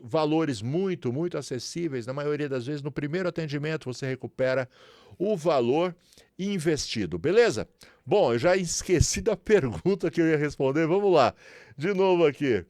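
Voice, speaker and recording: A man's voice: a little high, expressive, moderate pace, a little mellow, no room sound, clean studio sound. A man from Brazil with a São Paulo accent, teaching refrigeration in a chatty, promotional way and often checking in with "certo?" and "beleza?". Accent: Brazilian Portuguese, São Paulo. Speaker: refrigeration instructor. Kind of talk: casual tutorial talk to viewers.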